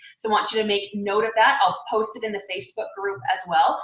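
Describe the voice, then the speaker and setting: A fairly high-pitched woman talks at a fairly quick pace over noticeable background noise. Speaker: life coach. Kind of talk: group coaching call. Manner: fast; animated.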